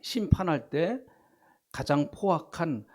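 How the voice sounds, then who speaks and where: A man voicing God, speaking in a slow, low, measured pronouncement. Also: expressive, a little mellow. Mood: stern. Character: God, male, calm, stern and decisive.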